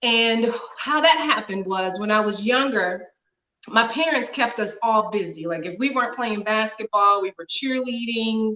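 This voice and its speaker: Speaking at a moderate pace, a woman with an American accent has a fairly high pitch and ordinary pitch variation. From Detroit, then Georgia since 1989. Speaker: fitness and wellness coach. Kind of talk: interview conversation.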